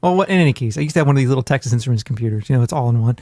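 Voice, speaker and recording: A man's voice: medium pitch, lively intonation, racing, darkish tone, no echo, studio quality. A man co-hosting a podcast in casual chat, rambling and self-deprecating with jokes. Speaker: podcast co-host.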